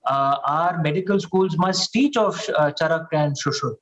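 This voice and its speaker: A man's voice: a little high, normal speed, a bit bright. A man from Uttar Pradesh with an Indian English accent, arguing earnestly on a panel discussion, with many hesitations and "right?" checks. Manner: earnest, persuasive, frequent "uh" and "right?". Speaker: panel guest.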